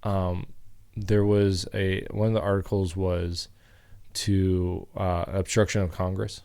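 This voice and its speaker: Low-voiced man chatting on a podcast. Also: flat delivery, takes it slowly, dark tone, smooth. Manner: rambling, lots of fillers and restarts. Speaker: podcast co-host. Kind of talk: casual chat.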